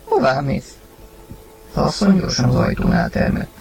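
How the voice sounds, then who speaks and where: A man reading a story aloud, narrating and acting the husband's lines with sudden loud outbursts. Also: fairly high pitch, huge pitch swings, creaky, a little hiss or hum. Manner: acted, rising to shouts in heated lines. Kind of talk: dramatized audiobook reading.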